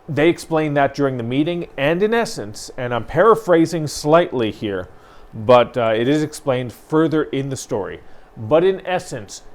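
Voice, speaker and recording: A man, co-hosting a local news talk show, speaking earnestly and with emphasis. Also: medium pitch. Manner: earnest, emphatic, builds to frustration. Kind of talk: conversational news commentary.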